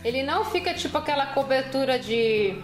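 A woman's voice: high-pitched, animated, fairly quick. A woman off camera in a home kitchen, prompting a child and explaining the recipe. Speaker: off-camera helper and co-host. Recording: echoey kitchen with background music.

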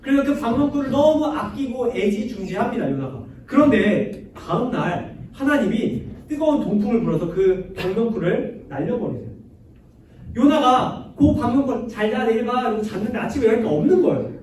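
Young guy youth pastor joking around in a sermon, super high voice, lots of church echo, mic kinda far. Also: sing-song, moderate pace, darkish tone. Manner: playful and chatty, jokes and laughs. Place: church sanctuary. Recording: echoey church from far off with faint noise.

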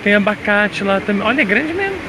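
Brief: high-pitched man, chatty walking vlogger talking to his viewers, handheld phone outdoors with loud street noise. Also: sing-song, fairly quick. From Brazil. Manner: chatty, keeps addressing viewers as "gente". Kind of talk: casual walking vlog. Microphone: handheld phone camera while walking. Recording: noisy outdoor phone recording. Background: street traffic and outdoor ambience.

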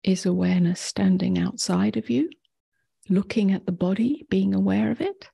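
Speaking in a breathy, hushed near-whisper, a woman leads a guided meditation with gentle delivery and long pauses. Her voice sits at a medium pitch.

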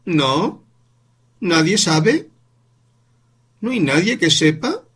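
In this storybook, an insistent young boy fires off question after question, his voice pitched well up and rough with breath, as a man reads him. He is curious and stubborn, never content with an answer. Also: sing-song, very slow, a bit bright, exaggerated voice. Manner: eager questioning, rising pitch. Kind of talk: audiobook character reading.

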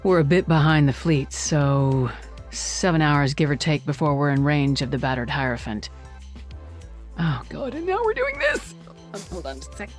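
Giggly woman narrator, lively pitch. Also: moderate pace, faint music behind. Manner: giggling, breaking up mid-line. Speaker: audiobook narrator. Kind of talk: studio outtakes, reading and laughing.

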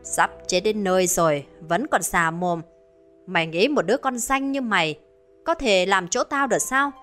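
A woman voicing a cruel, scheming middle-aged village wife who taunts in a shrill, sneering voice. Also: normal speed, fairly bright tone, soft background music, close to an everyday voice. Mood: snarling. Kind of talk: dramatized horror storytelling.

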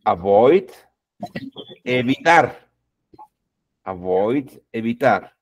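A man teaching a class, repeating each word and its translation, calling out words loudly and then dropping his voice. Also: mid-range voice, lively intonation, drawn-out words, muffled recording. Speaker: English teacher. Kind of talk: classroom lesson.

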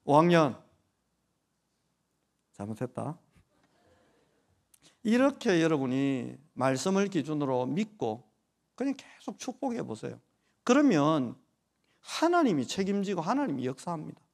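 A man in his forties preaches with a Gyeongsang accent in a church service, his voice sitting a little high for a man. He jokes and banters with the children in the pews, then swings back into fervent, loud preaching before dropping to quiet asides. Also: sing-song, unhurried, long pauses. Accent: Gyeongsang Korean. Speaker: pastor. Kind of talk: sermon. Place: church sanctuary during worship.

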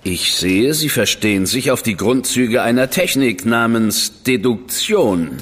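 A man's voice: mid-range voice, animated, a little slow, breathy edge, big-room sound. An actor playing a stern, powerful government man in a radio drama, speaking in a curt, cool and commanding manner. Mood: dry, curt. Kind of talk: German studio radio drama acting.

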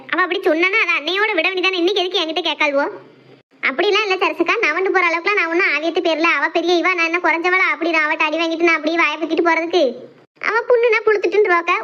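A gossipy, quarrelsome village woman from a cartoon, put on by a woman. She talks in a shrill, nagging, very high and rapid voice. The audio is dull and lo-fi. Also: fairly bright tone. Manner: complaining, teasing, quick banter.

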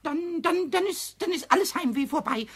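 Tiny male sprite: extremely high, shrill, swooping voice, excitable and cheeky, tripping over repeated words. Children's radio drama. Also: moderate pace, exaggerated voice. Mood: eager, excited. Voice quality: shrill, squawky. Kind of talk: German children's radio play acting.

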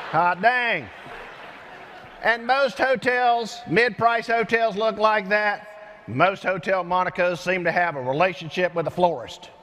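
An older man giving an energetic keynote speech on a large conference stage, telling stories with lively gestures through a headset mic. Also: sits high. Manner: animated storyteller with lively gestures. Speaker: keynote speaker. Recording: long hall reverb from arena.

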